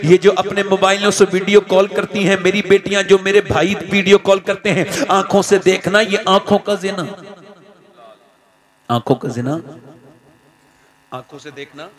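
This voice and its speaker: A man preaching an impassioned Muslim sermon, telling stories with rhetorical repetition in booming rally-style oratory. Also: little pitch movement, normal speed, few pauses, a bit bright. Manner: rhetorical repetition, calls for audience response. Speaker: Muslim preacher addressing a congregation. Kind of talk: impassioned religious sermon with storytelling. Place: large public religious gathering. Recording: live gathering with crowd noise. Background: crowd responding.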